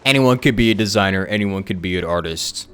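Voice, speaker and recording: A man's voice: deep voice, fairly quick, fairly bright tone, clear, resonant tone. A young man giving casual livestream commentary on a game in an informal, slangy way. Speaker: game streamer. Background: faint game music.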